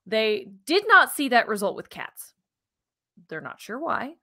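A woman, co-hosting a science podcast in an animated, informal, emphatic conversational way. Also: a little high, unhurried. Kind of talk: conversational science news presentation. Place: small furnished room at home, indoors. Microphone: video call, wearing headphones.

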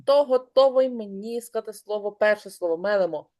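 A woman teaching an online class, brisk and encouraging, calling on pupils by name. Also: medium pitch, mellow.

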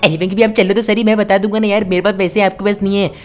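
A man's voice: sits high, flat delivery, racing, faint music behind, lightly acted. A man voicing a cheeky, pushy little boy who repeats every line twice, in a comic gameplay role-play. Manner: says every line twice, starts with "arre Franky bhaiya".

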